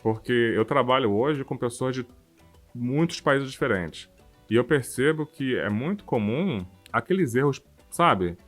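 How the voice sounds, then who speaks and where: A man's voice: mid-range voice, unhurried, faint music behind. A man with a Brazilian Portuguese accent co-hosting a podcast, talking informally and with animation. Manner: informal, animated, frequent "cara" and "sabe". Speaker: podcast co-host. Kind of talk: casual chat. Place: works abroad.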